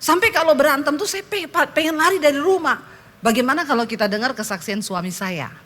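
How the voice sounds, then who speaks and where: A middle-aged woman pastor telling a humorous testimony in a sermon, lively and joking, with acted-out quotes, on a church stage. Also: high-pitched, brisk.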